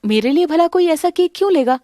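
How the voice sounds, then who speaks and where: A woman's voice: very high voice, expressive, fairly quick, warm tone, no echo, clean studio sound, pitched above the performer's own voice. A woman voicing a spiteful young sister-in-law who taunts and scorns the family. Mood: mocking.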